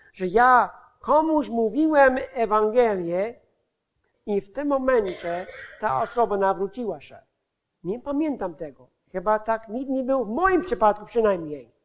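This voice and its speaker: A man with an unusually high voice shares his testimony as an evangelist. He speaks slowly and hesitantly, and he keeps pausing and restarting sentences as he hunts for the right words. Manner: halting, searching for words, many restarts. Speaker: street evangelist. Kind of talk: personal testimony in a sermon.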